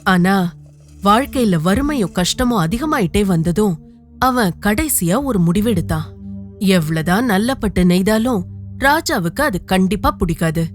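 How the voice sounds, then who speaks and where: Animated woman narrating a children's folktale. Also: mid-range voice, measured pace. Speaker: storyteller, narrator. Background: music.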